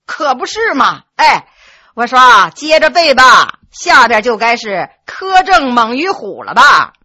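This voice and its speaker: A woman's voice: fairly high pitch, big pitch swings, measured pace, pushed and bright, full character voice. A woman storyteller voicing an earnest male friend who asks questions eagerly. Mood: joking.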